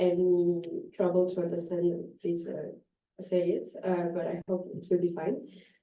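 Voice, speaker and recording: With a French accent, a woman speaks at a fairly slow pace in audible room echo. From France. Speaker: environmental policy advocate. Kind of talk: conference presentation. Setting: university conference hall with audience. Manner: hesitant, many fillers.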